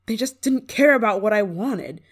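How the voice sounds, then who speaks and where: A woman's voice: medium pitch, expressive, measured pace, slightly rough. A woman playing a prickly, homesick young performer in an ASMR roleplay, grudging in manner but secretly fond of an old friend. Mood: exasperated, bitter. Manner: tsundere, grudging, sighing, secretly affectionate. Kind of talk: ASMR roleplay, acted monologue to listener.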